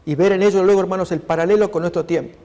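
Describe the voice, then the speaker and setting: A man's voice: high voice, fairly even intonation, racing, warm tone. A man pastor preaching a sermon over slides, earnestly addressing his congregation. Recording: long hall reverb.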